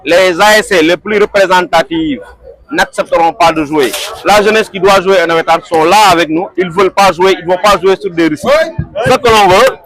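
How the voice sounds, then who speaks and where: A man's voice: high-pitched, normal speed, a bit bright, poor audio. A man making firm, demanding statements at a protest. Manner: firm, demanding, leads a chant. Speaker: protester speaking to press.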